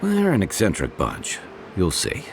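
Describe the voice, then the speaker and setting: An easygoing adventurer companion from a fantasy video game. The voice sits very low yet moves with animated intonation. He is wry, teasing and reflective, with ambient noise behind him. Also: a little slow, exaggerated voice. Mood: thoughtful, wry. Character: easygoing wry male adventurer companion, weathered but good-humoured. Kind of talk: naturalistic video game dialogue.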